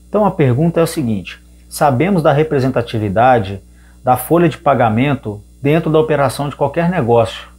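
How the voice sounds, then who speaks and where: A man's voice: fairly high pitch, darkish tone, breathy edge. A man from Belo Horizonte with a Minas Gerais accent, a business consultant formally reading out a prepared question. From Belo Horizonte, Brazil. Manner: formal, composed.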